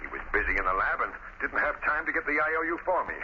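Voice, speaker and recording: An actor plays a nervous man accused of murder in an old radio drama. He stammers and pleads in a quick voice that jumps up and down. The sound is muffled, with light hiss. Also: a little high, expressive, close to an everyday voice. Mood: desperate pleading. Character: anxious male police employee accused of murder, pleading innocence. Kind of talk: 1930s radio drama acting. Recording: muffled, noisy 1930s radio recording.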